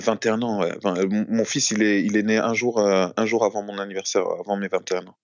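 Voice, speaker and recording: This man's voice sits fairly low in pitch and stays monotone, with flat intonation throughout. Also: moderate pace, big swings in loudness. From France, Bordeaux. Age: 30s. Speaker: podcast guest. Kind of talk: casual chat. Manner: halting; loud laugh.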